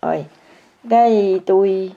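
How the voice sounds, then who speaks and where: The voice is a woman's at medium pitch: slow, gravelly and dark. An older meditation practitioner, she tells viewers about her experience emphatically and repetitively, speaking right to them, on a muffled lo-fi recording.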